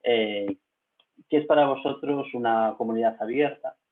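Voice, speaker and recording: A man's voice: medium pitch, moderate pace. A man with a Spanish accent from Spain moderating an online panel, talking casually with many hesitant filler sounds. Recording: tinny phone-like audio.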